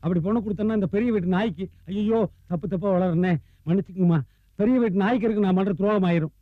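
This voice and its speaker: A man's voice: high voice, fairly even intonation, quick pace, no room sound, narrow, tinny audio, lightly acted. An actor playing a fawning, melodramatic male estate servant in a comedy, wailing and theatrically self-abasing. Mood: groveling. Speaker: loyal servant of a rich widow. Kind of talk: 1990s film comedy acting.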